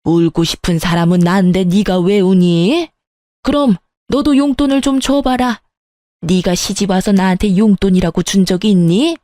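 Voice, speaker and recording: A woman voicing a bossy, scolding middle-aged mother-in-law who gives curt, slow commands. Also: mid-range voice, mellow, no room sound, studio quality, natural voice.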